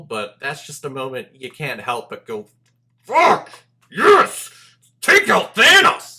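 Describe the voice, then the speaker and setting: Talking directly to his viewers, a man delivers a laid-back but excited movie review. His voice sits a little high, and he speaks in a lively, emphatic, informal way.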